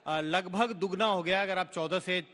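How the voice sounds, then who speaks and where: A man political analyst on a TV panel, speaking in a measured way with some thinking fillers. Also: high voice, a bit bright, big-room sound.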